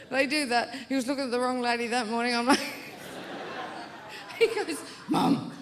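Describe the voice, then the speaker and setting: A woman's voice: a little high, steady tone, moderate pace, noisy background. A woman doing a stand-up comedy set, telling rambling, self-mocking stories. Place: comedy venue stage. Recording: live stage with long hall reverb. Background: faint audience laughter.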